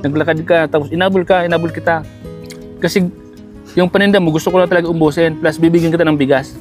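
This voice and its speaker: A man's voice: fairly high pitch, fairly even intonation, quick pace. A man vlogging outdoors on a sunny street, chatting in a kindly, encouraging way and coaxing with short repeated check-in questions. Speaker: vlogger handing out gifts. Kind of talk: casual on-the-street chat. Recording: background music under the voice.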